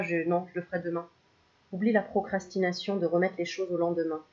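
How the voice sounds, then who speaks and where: Une femme qui tire des cartes de spiritualité, bavarde et joueuse, qui rit souvent et lance parfois des chants pour rire. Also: female voice, mid-range voice, darkish tone, lo-fi sound. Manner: chatty, playful, laughs often, bursts into mock singing. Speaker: spiritual card reader. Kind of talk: casual card-reading video.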